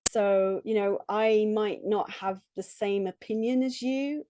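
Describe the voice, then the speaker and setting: A middle-aged woman, a relationship coach, speaking earnestly and reflectively in short halting phrases with restarts. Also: medium pitch, a little hiss or hum. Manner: earnest, reflective, with frequent soft laughs. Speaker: relationship coach, podcast guest. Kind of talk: conversational interview.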